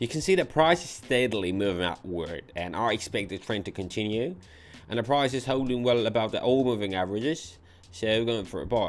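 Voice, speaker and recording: An American-accented man at medium pitch, with lively intonation and a fairly quick pace. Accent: switches between British and American. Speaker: trading video host. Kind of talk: live trading commentary. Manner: casual, chatty; halting, repeats words.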